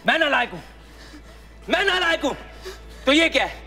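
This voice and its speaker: A taunting, vengeful young gangster. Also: male voice, very high-pitched, lively intonation, moderate pace, exaggerated voice. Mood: bitter. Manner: taunting, contemptuous, abusive. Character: vengeful young male gangster, menacing, bitter. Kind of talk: stage-style TV drama acting. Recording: drama with loud background music.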